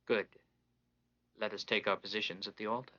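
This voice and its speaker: An actor voicing a cunning, treacherous priest in an animated Bible drama, condescending and commanding. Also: male voice, fairly low pitch, fairly quick. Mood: scheming. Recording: dull lo-fi sound.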